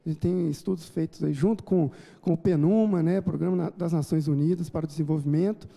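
Gravelly Brazilian man lecturing in a hall. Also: on the high side, steady tone, warm tone. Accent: Brazilian Portuguese. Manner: measured, many hesitations and restarts. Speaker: conference speaker. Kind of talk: formal conference lecture. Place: large auditorium, indoors. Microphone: handheld mic. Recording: auditorium reverb.

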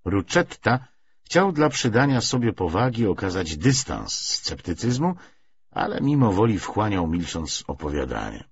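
A man narrating a literary audiobook in a measured, dramatized reading style. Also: on the low side, very animated, husky. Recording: slightly dull, muffled recording.

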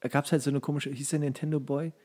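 A man's voice: a little high, flat delivery, fast, warm tone. A man co-hosting a podcast, chatting casually in a colloquial, enthusiastic way. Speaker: podcast co-host. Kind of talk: casual chat about films and series.

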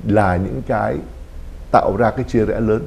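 A man's voice: lowish voice, fairly even intonation, moderate pace, vocal fry, darkish tone. A man who is a Catholic priest, explaining family life in a talk show discussion and acting out little quoted exchanges.

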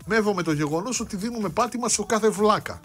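A man's voice: sits high, a bit bright, soft background music. A man co-hosting a radio sports show, telling jokey stories and acting out scenes. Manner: jokey storyteller, acts out scenes. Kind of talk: comic radio banter. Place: radio studio.

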